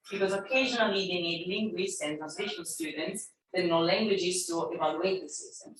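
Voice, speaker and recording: A woman's voice: fairly low pitch, fairly bright tone. A young adult woman who is a native Italian speaker, introducing herself on a panel in a thoughtful, hesitant way with fillers. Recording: echoey distant room mic, faint noise.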